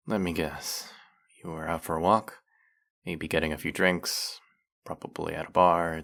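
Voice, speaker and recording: A man playing a centuries-old, brooding vampire hunter in an audio roleplay, questioning with measured, wry menace. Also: deep voice, creaky, a bit bright, exaggerated voice. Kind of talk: dramatic audio roleplay, addressing the listener.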